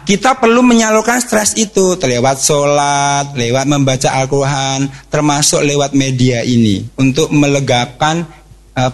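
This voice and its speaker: A middle-aged man giving a lively religious seminar talk, jokey and animated, putting questions to the audience. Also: mid-range voice. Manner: animated, jokey, asks the audience questions, acts out quick exclamations. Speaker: speaker at a parenting and youth talk.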